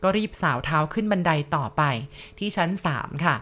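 Brief: woman storyteller, low voice, polite, speaks to the listeners directly. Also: fairly quick, a bit bright. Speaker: ghost story narrator. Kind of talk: narrated ghost story for listeners.

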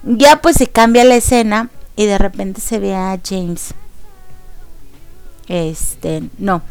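A young woman with a Mexican accent hosting a radio show, excitedly recapping a series in casual chat. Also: medium pitch, slow pace, smooth, dry recording, soft background music. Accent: Mexican Spanish. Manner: expressive, excitable storyteller.

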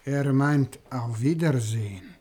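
An actor playing an earnest interpreter for a tribal envoy, explaining plainly in a German radio play. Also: male voice, medium pitch, slow pace, background noise, natural voice. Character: earnest male Native American interpreter for an envoy.

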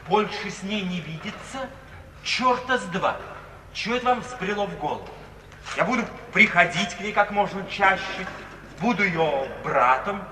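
An actor playing a flippant, charming young idler in a 1950s radio play, playfully mock-gallant and theatrical. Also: male voice, high-pitched, animated, moderate pace, pushed and bright. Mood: brash. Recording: echoey, distant old radio recording, hiss.

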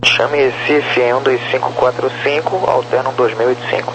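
A man's voice: medium pitch, little pitch movement, a little fast. A Brazilian man giving procedural air traffic instructions over aviation radio. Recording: muffled noisy radio with hum.

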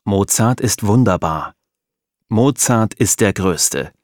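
A man reading the courteous, enthusiastic messages of a male music lover, slowly and plainly. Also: on the low side, animated, darkish tone, no room sound, studio quality. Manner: slow, courteous replies.

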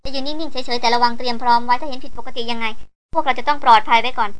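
A cautious, steady rifleman, the eldest brother of his family, as read by a woman narrator. He speaks in a measured, careful way, voiced high and quick. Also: close to an everyday voice.

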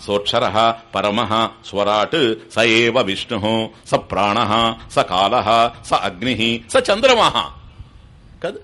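A man's voice: fairly high pitch, pushed and bright. A man giving a spiritual sermon, asking rhetorical questions and chanting verses. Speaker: spiritual teacher giving discourse. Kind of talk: sermon on scripture.

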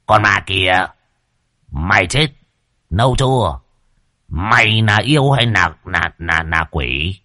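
A man's voice: low-pitched, lively intonation, slow pace, long pauses, bright, forceful tone, no room sound, studio quality, heavily acted. Man doing a stammering, panicky old village man. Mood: mock stern. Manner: stammering, wailing cries for help.

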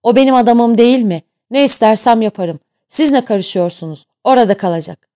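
A woman's voice: fairly low pitch, moderate pace, mellow, natural voice. A woman voicing a harsh, domineering male ship captain who barks and scorns in an audiobook. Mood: shouting, furious. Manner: barking, scornful.

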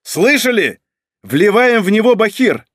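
A man voicing a gruff male squad captain who barks orders and swears coarsely. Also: mid-range voice, lively intonation, unhurried, darkish tone, no room sound, clean studio sound. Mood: shouting.

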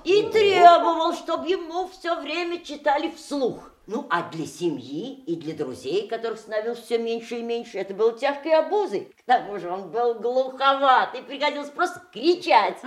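An actress playing an expressive woman who tells rambling family anecdotes in a theatrical audio drama. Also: a little high, moderate pace, hardly any pauses, natural voice. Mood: laughing, playful.

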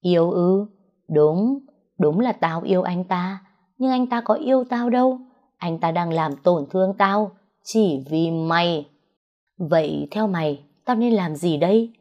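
A woman's voice: fairly low pitch, animated, unhurried, highs cut off. Woman doing a cruel jealous young villainess. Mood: taunting. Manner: taunting, sneering.

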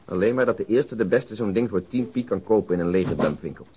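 An actor playing a dryly precise police detective in a radio drama, reporting in a factual manner. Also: male voice, lowish voice, fairly quick, highs cut off, very noisy, close to an everyday voice. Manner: dry, factual. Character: matter-of-fact male detective, dryly precise.

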